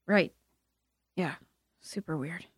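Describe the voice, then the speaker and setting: Woman playing low-voiced deadpan young woman. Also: slow pace, husky, no room sound, studio quality, full character voice. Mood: subdued. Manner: deadpan, deflecting. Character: dry, evasive, sardonic young woman, McKenna. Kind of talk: audio drama acting.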